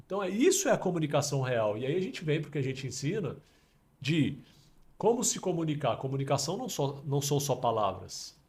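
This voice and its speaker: A Brazilian man hosting a casual podcast, explaining with emphatic metaphors in an animated way. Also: on the high side, brisk. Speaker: podcast host.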